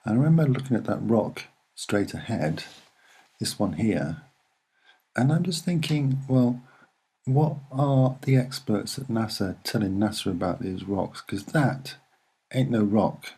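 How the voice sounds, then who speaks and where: A soft-spoken man with a slightly husky voice, presenting and explaining images in an unhurried, earnest way with hesitant pauses. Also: lowish voice, expressive. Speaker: online video presenter.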